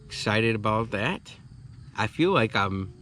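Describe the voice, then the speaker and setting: A man's voice: lowish voice, animated, a little slow, a bit bright. A man in his thirties hosting a casual vlog-style chat. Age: 30s. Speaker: host. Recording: faint background noise.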